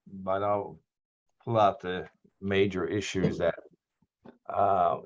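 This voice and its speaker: A man's voice: sits low, fairly even intonation, slow. Hesitant man introducing a speaker, lo-fi. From Australia. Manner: hesitant, many ums and restarts. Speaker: lecture series host.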